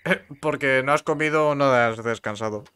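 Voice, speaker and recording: A man's voice: mid-range voice, clear, resonant tone. A young Spanish man with a Madrid accent, chatting casually on a headset mic while streaming a co-op game, with many fillers and restarts. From Spain. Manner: relaxed, halting, with frequent fillers. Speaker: gameplay streamer. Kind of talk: casual co-op gaming chat.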